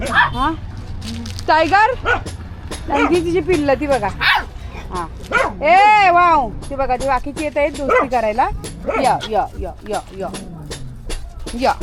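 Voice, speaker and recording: A woman vlogging about her dog in casual chat, often shooing and calling out loudly. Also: sits high, very noisy. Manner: scolding and shooing the dog, loud calls. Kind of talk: casual pet vlog.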